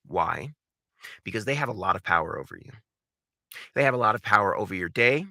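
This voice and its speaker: A man's voice: mid-range voice, sharp tone, dry recording, studio quality. A man coaching voice acting in an instructional talk, speaking emphatically and often posing rhetorical questions. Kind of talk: instructional talk with acted examples.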